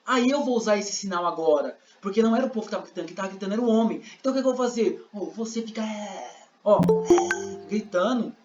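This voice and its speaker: A man's voice: high-pitched, animated, rapid-fire, hardly any pauses, soft background music. Man, Brazilian Portuguese accent, teaching a class, roomy echo, dull lo-fi sound. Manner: explains with examples, acts out scenes. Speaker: sign language interpreting teacher. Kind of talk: classroom lesson.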